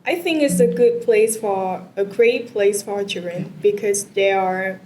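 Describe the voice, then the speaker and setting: Slow, hesitant Vietnamese woman candidate. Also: medium pitch, a little mellow. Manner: hesitant, many fillers and repeats. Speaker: test candidate. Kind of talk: answering exam questions. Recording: echoey room with faint noise.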